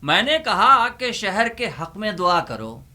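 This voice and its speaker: Guy hosting funny poetry reading, higher sharp voice, really dramatic and emphatic. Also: sing-song. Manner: theatrical, emphatic, repeats lines for effect. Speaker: host and poetry reciter. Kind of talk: dramatic recitation of humorous Urdu poetry.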